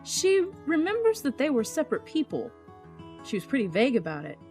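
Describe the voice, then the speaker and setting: A woman's voice: high voice, wildly swooping pitch, fairly quick, a little mellow, faint music behind. An actress playing a helpful female colleague on a police case in an audio drama. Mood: informative.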